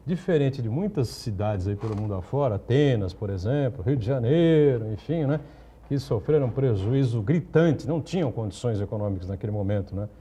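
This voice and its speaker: A man hosts a television talk show in a loose, conversational manner. His voice is very dark and warm with a husky grain, and he often checks in with quick tag questions. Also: medium pitch, lively intonation.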